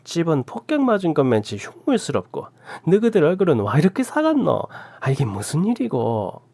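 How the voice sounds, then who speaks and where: A woman's voice: deep voice, huge pitch swings, slightly rough, pitched above the performer's own voice, full character voice. A woman playing an old Gyeongsang aunt hurling curses. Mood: ranting. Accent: Gyeongsang Korean. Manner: scolding, cursing, drawn-out shouts. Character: tiny old hunched aunt, foul-mouthed and fierce.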